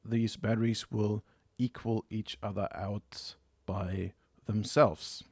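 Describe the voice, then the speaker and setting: Low-voiced man giving a measured tutorial. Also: steady tone, breathy edge, no room sound. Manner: methodical, explanatory, matter-of-fact. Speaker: tutorial presenter. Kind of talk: hands-on instructional narration.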